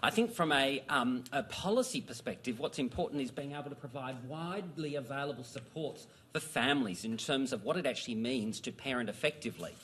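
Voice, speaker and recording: A man with an Australian accent, fairly high-pitched, with ordinary pitch variation, a fairly quick pace and hardly any pauses. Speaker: family studies researcher. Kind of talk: conference presentation.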